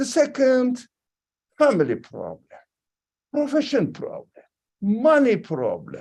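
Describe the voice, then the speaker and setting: With a non-native accent, a man talks in a dark, mellow tone, his pitch varying in an ordinary way. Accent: foreign accent, obvious. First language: not English. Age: old. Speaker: Quran teacher. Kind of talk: lecture. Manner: halting; animated.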